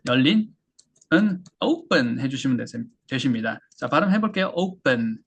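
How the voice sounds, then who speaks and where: A man teaching English pronunciation, drilling words slowly and then explaining briskly. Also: mid-range voice, big pitch swings, vocal fry, a little hiss or hum. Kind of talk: language lesson explanation.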